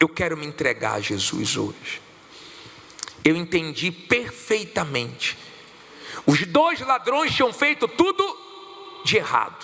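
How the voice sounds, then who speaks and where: A man speaks at a very slow pace. He leaves long, frequent pauses over noticeable background noise. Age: 50s. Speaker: pastor. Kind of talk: sermon.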